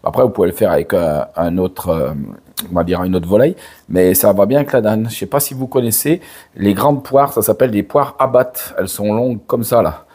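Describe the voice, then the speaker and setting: An older man, hoarse from a cold, chatting slowly to camera with many hesitations and restarts. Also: on the low side, a little mellow. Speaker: father and channel host. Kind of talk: casual direct-to-camera chat.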